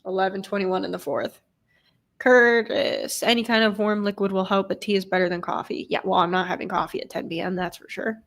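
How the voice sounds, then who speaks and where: A woman's voice: medium pitch, steady tone, brisk. A woman streamer with a stuffy nose from a cold, giving casual play-by-play of a football game and chatting with her viewers. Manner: chatty, swears casually, reads and answers chat. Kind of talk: casual live play-by-play commentary with chat. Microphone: desk streaming microphone.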